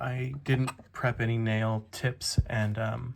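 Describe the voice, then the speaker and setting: A man's voice of medium pitch with ordinary pitch variation. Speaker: nail art youtuber. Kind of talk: product unboxing. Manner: hesitant, many fillers.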